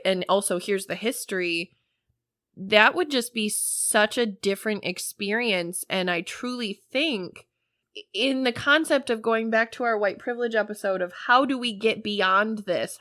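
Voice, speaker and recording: A woman's voice: mid-range voice, fairly bright tone, no echo. A woman hosting a podcast, speaking in an emphatic, enthusiastic way. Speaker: podcast host. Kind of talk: casual podcast discussion.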